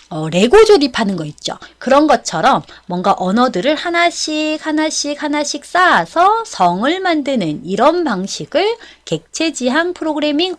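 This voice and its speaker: A woman giving an explanatory lecture as an instructor, step by step and in a polite register. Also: high-pitched. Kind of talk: explanatory exam-prep lecture.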